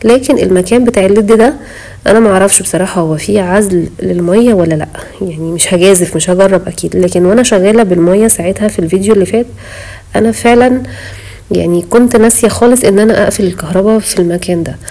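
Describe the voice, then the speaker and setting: A woman's voice: mid-range voice, very fast, mellow, poor audio. A woman with an Egyptian accent, chatting in a home vlog voice-over, a bit out of breath as she talks. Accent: Egyptian Arabic. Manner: chatty, pious, talks straight to viewers. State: short of breath while talking. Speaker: home vlogger. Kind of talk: casual voice-over chat.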